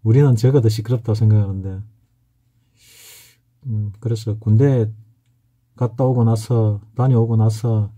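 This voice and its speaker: A man's voice: lowish voice, fairly even intonation, measured pace, pauses often, dark tone. A middle-aged man with a Gyeongsang Korean accent, giving a rambling, anecdotal lecture as a fortune-telling instructor. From Gyeongsang region, South Korea. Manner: rambling, anecdotal, frequent hesitations. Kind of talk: casual lecture.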